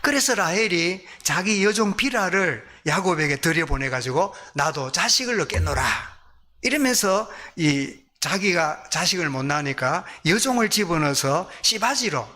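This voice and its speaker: A man with a Gyeongsang accent preaching a sermon as pastor, lively, asking the congregation questions. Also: high voice, normal speed, few pauses. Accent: Gyeongsang Korean.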